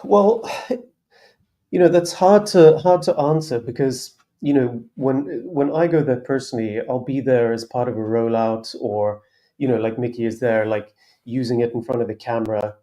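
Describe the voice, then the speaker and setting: Guy on a podcast panel, warm mellow voice, lots of ums and restarts, easygoing. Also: mid-range voice, normal speed. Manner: relaxed, hesitant with many fillers. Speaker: company executive guest. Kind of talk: casual panel discussion.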